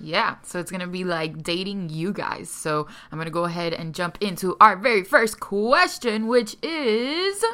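A woman speaks at a moderate pace and medium pitch with lively intonation, hardly any pauses and big swings in loudness, against noticeable background noise. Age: 20s. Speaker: podcast host. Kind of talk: casual chat. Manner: talkative.

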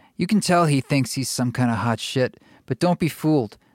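A man speaks at a moderate pace in a plain, everyday voice, with ordinary pitch variation. The sound is dry and close, with no echo. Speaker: musician and podcast host. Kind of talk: casual interview chat.

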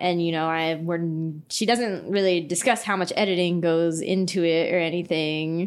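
A woman's ordinary speaking voice, fairly low in pitch, at a moderate pace with fairly even intonation. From Philadelphia, US. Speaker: podcast host. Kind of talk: casual chat. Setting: at a kitchen table. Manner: laughs often.

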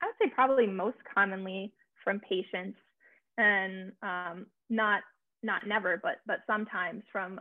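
Her voice at medium pitch, a woman speaks in a plain, everyday voice with ordinary pitch variation. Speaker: orthopedic surgeon. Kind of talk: casual interview.

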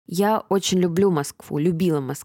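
Fairly low in pitch, a woman talks at a fairly slow pace in a plain, everyday voice. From Moscow, Russia. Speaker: podcast host. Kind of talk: casual Q&A monologue.

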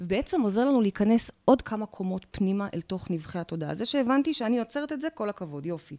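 In an ordinary speaking voice, a woman talks at a moderate pace with fairly high pitch and lively intonation, and the sound is dry and close with no echo. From Israel, Haredi upbringing. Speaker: author and spiritual teacher. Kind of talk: guided visualization; podcast interview.

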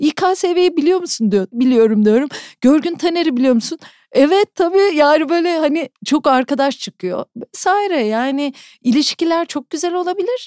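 In a very clean recording with a silent background and a dry, close sound with no echo, a woman with a high pitch talks at a moderate pace with very wide pitch swings. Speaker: podcast host. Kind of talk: casual interview chat.

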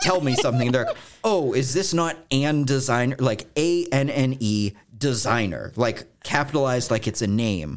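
With an unremarkable speaking voice, a man speaks at medium pitch and a moderate pace, his intonation lively and his loudness very even, on a very clean recording with a silent background. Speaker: artist and musician. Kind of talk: interview.

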